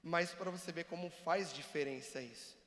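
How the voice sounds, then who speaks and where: A man giving an animated, joking church seminar talk and acting out examples for the audience. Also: a little high, normal speed. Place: church hall. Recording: long reverb of a church hall.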